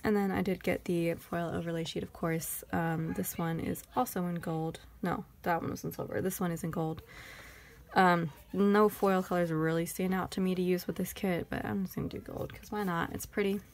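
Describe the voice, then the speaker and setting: A woman's voice: fairly low pitch, fairly even intonation, moderate pace. A woman with a Texan accent chatting casually through a planner sticker haul, rambling and thinking aloud. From Texas. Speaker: planner vlogger.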